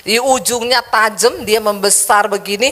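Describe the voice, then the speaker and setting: A woman pastor preaching, telling a personal testimony in an animated, storytelling manner. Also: medium pitch, normal speed. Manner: animated storytelling, vivid sound effects. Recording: echoey hall reverb.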